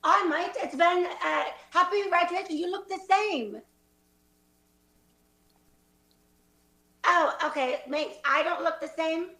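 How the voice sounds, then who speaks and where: A woman's voice: extremely high pitch, moderate pace, bright, forceful tone, exaggerated voice. A woman voicing a baffled, defensive Australian former student in improvised comedy, with a put-on Australian accent. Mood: awkward. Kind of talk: improvised comedy stage acting. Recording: roomy, echoey live space.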